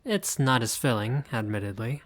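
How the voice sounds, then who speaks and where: A man's voice: mid-range voice, very animated, moderate pace. A man playing a friendly, bashful vampire in a roleplay audio, speaking in formal, polite, old-fashioned phrases with some hesitation. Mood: apologetic, explaining. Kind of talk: intimate roleplay audio acting.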